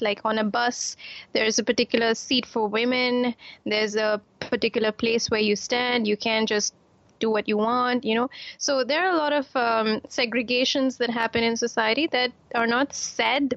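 A woman's voice: fairly high pitch, gravelly, a bit bright, dry recording, muffled recording. A woman from Kuwait, an author and doctor, answering interview questions in a chatty way, with fillers and repeated words.

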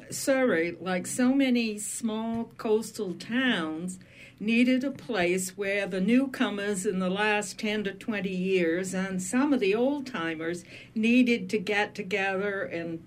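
An older woman with a Maine accent, a retired minister, talking as a guest on a radio show in a thoughtful, unhurried way with frequent pauses. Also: medium pitch, a little hiss or hum. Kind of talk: casual radio conversation.

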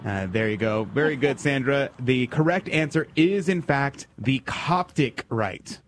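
A man's voice: medium pitch, measured pace. A man hosting a call-in radio quiz, teasing and upbeat. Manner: teasing, playful quizmaster. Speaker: radio host.

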